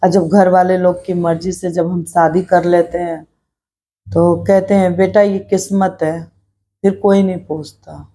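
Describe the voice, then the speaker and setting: A woman's voice: fairly low pitch, level tone, a little slow, mellow. A middle-aged woman talking earnestly to her viewers in a personal vlog, reflective and repeating herself as she speaks her mind. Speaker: vlogger. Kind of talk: personal vlog talk to camera.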